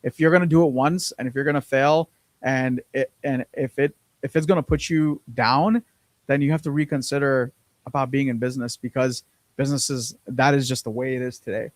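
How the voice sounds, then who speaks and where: A man co-hosting a casual business podcast, rambling along with plenty of fillers and repeated words. His voice sits at an average pitch. The sound is dry and close, with no room echo. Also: steady tone, fairly quick. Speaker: podcast co-host.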